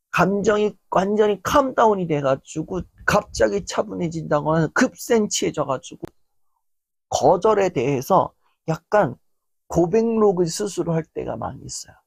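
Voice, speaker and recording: A man's voice: high-pitched, gravelly, breathy edge, no echo. A young man giving a casual lecture, talking animatedly and acting out people's reactions. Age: young adult. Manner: animated, acts out quoted reactions.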